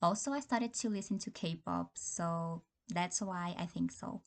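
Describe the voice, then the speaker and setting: Young woman, lowish voice, calm steady exam answer. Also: measured pace, vocal fry. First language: Portuguese. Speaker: test taker giving sample answers. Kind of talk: timed spoken exam answer.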